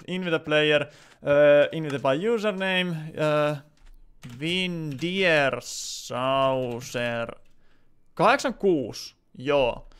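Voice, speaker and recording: A man's voice: a little high, a bit bright, smooth. A man live-streaming a video game, chatting casually with his viewers and rambling with many filler words.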